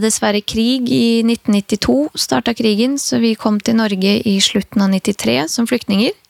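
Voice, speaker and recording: A woman's fairly high voice with very even loudness, fairly even intonation and hardly any pauses, in a dry, close sound with no echo. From Norway, Sunndalsøra (came from Bosnia as small child). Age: 30s. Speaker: chief economist, housing market analyst. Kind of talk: podcast interview. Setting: live at a public event.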